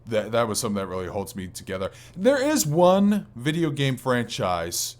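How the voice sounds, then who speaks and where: A man talking casually as a podcast host, in a halting way that circles back over his words. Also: mid-range voice, wildly swooping pitch.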